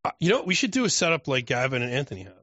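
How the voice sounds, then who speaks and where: A man's voice: mid-range voice, big pitch swings, very fast, a bit bright, no room sound. A man co-hosting a podcast in casual chat, blunt and profane. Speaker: podcast co-host. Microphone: close podcast microphone, often spoken into off-axis. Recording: dull close-miked podcast audio.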